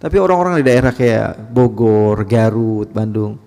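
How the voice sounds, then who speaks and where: A man preaching a sermon to a congregation, telling stories in a lively way and mixing casual slang with religious phrases. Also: on the low side, moderate pace, creaky. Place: large mosque. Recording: long reverb of a large mosque hall.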